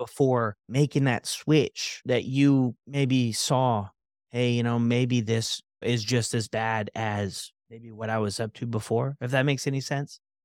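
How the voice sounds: On a very clean recording with a silent background and a dry, close sound with no echo, a man speaks at a fairly slow pace and medium pitch, with a slightly mellow tone and fairly even intonation.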